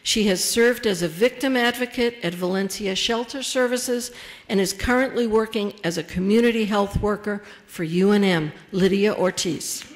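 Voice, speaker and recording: A woman serving as the emcee of a ceremony, reading out names, titles and introductions in a measured way. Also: mid-range voice, slight background noise.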